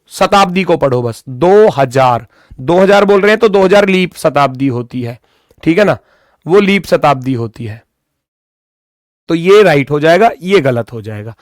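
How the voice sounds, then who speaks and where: A man's voice: fairly high pitch, no echo, studio quality. A young man teaching a reasoning class for an exam, who scolds his students with sarcasm and counts through calculations aloud. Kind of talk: online exam-prep lecture.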